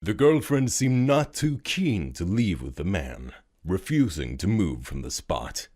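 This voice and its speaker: A man narrating a scripted audio drama story in a dramatic, expressive storytelling manner. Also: deep voice, a little slow. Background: music.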